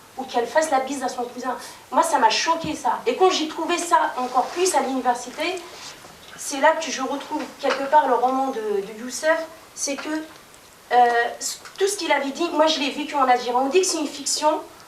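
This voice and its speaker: With noticeable background noise and audible room echo, a woman speaks at a moderate pace in a high voice with ordinary pitch variation, leaving long, frequent pauses. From Kabylie, Algeria. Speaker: audience member at a public debate. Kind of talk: audience comment in a debate. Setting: public debate with audience. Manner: hesitant, many fillers.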